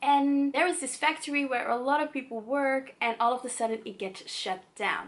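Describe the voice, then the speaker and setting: Speaking in a Dutch accent, a woman uses an animated tone at a high pitch. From Netherlands. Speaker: book vlogger. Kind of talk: casual vlog review.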